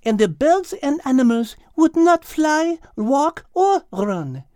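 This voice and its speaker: A man voicing a brilliant, gentle female cat with a French accent, patiently explaining in a children's animal story. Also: extremely high pitch, sing-song, takes it slowly, dry recording, studio quality, voice pushed up, exaggerated voice. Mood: patient, teaching.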